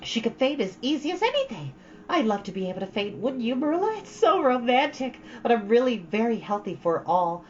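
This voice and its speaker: A woman's voice: on the high side, sing-song, brisk, darkish tone, voice pushed up. A woman voicing a dreamy, romantic, chattering young girl in a storybook, gushing with dramatic earnestness. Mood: gushing, wistful. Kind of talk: storybook read-aloud. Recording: dull, lo-fi, faint background noise.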